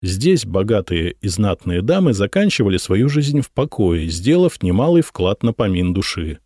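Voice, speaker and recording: Expressive male audiobook narrator. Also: lowish voice, no echo, clean studio sound. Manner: expressive, rising on dramatic moments.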